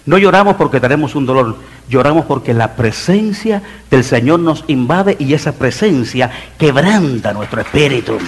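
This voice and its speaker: A middle-aged man preaching a sermon in church as pastor, building emphasis and dropping into soft asides. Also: medium pitch, expressive, normal speed, breathy edge. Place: church sanctuary.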